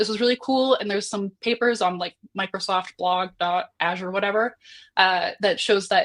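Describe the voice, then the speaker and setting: Speaking at a fairly quick pace, a woman with a medium pitch keeps a fairly even intonation. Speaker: software engineer presenting an open source tool. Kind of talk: technical presentation. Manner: fast.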